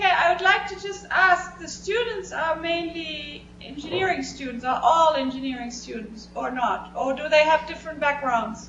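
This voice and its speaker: Over noticeable background noise, a woman with a high pitch speaks with hardly any pauses. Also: lively intonation, moderate pace, big swings in loudness. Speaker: architect, professor. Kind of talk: lecture.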